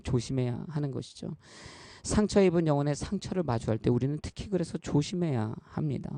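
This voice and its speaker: A pastor in his thirties delivers a sermon in an earnest, conversational way, speaking straight to the congregation and weaving in stories from his own life. His voice sits a touch high for a man, with a gravelly, fry-tinged edge and a mellow, dark tone. The sound is dry and close, with little room echo. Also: expressive, fairly quick. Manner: addresses the congregation directly and repeatedly. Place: church.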